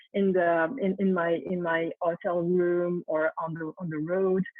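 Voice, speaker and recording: A woman speaks with a French accent at a fairly slow pace. Her voice is fairly low, with fairly even intonation. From France. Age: 50s. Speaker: Ayurvedic health counselor and yoga teacher. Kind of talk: podcast interview. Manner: halting, many fillers.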